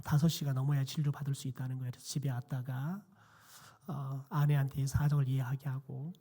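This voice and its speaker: A middle-aged man, a pastor, preaching a quiet sermon in a church with a hoarse, nearly lost voice and many hesitant fillers. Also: medium pitch. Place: church sanctuary.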